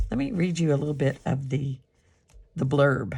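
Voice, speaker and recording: A woman with a very deep, low pitch, a somewhat breathy voice, ordinary pitch variation and an American accent. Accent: Southern US accent, toned down on camera. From US South. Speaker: book and budgeting YouTuber, teacher. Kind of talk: casual vlog talk.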